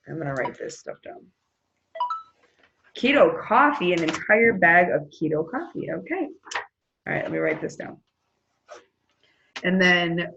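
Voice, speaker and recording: The recording is muffled with a faint hiss or hum, carrying a woman's low-leaning, slightly bright voice. She's running a team video call, giving an upbeat, casual pep talk about sales goals and conducting prize drawings.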